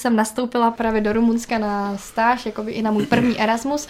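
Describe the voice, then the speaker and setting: Monotone and flat, the woman's voice sits at a fairly high pitch. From Czech Republic, South Bohemia. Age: 20s. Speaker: university student and intern. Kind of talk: radio interview. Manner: hesitant, many fillers.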